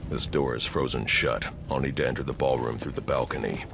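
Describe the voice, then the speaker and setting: An actor playing a grim, brooding masked vigilante in a video game, with a very deep gravelly growl and a slow, clipped, menacing delivery. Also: male voice, fairly even intonation, noisy background. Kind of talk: video game cutscene acting. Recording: game audio with score underneath.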